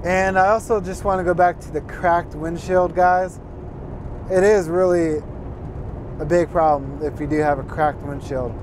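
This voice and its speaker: Driving a semi-truck, a young man earnestly offers casual tips to viewers, calling them "guys," in a fairly high, evenly inflected, unhurried voice. A fixed dash camera records him, with road and engine noise from the moving cab underneath.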